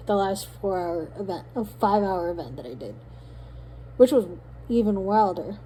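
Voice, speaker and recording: A very tired woman chats to her vlog in a loose, rambling way. Her voice is mellow and low in brightness, a bit strained as if starting to give out. There is light noise in the hotel room recording. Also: low-quality recording. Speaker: small craft business owner vlogging. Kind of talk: casual rambling vlog diary.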